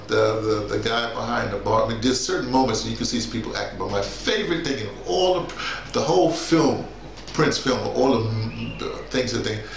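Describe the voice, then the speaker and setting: A middle-aged man chatting casually and unscripted, rambling and halting as he thinks aloud and shares personal memories and opinions. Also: mid-range voice, gravelly. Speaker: music commentator sharing personal memories. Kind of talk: casual spoken reminiscence, unscripted personal commentary. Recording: roomy echo, faint background noise.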